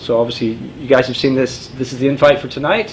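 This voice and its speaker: At a fairly quick pace, a man with a medium pitch speaks amid noticeable background noise and audible room echo. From Ireland. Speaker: oil and gas engineering executive. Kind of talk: lecture. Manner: halting, many fillers.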